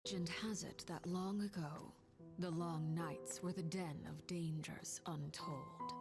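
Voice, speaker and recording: A woman playing a composed, menacing guardian in a game trailer, narrating a legend in a measured, solemn way. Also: lowish voice, steady tone. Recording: game trailer with music behind. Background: music.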